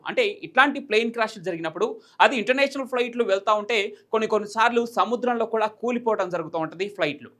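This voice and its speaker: A male news presenter talks at a rapid clip. He explains things emphatically and circles back over his points in a commentary style. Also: high-pitched, pushed and bright.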